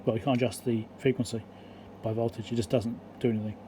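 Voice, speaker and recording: A man's voice: medium pitch, little pitch movement, fast, warm tone, a little hiss or hum. A man giving a casual technical explanation as a repair video host, rambling and matter-of-fact as he thinks aloud.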